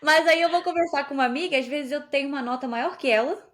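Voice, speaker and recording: A young woman from Brazil talks in a relaxed, chatty way, often breaking into laughter. Her voice sits a little high. She tells her stories with easy warmth in a casual conversation. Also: quick pace. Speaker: guest on a podcast.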